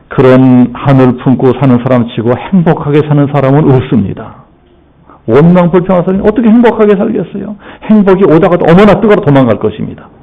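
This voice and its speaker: Pastor preaching a lively sermon, gravelly voice, kinda dull lo-fi church audio. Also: male voice, mid-range voice. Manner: lively preaching with rhetorical questions.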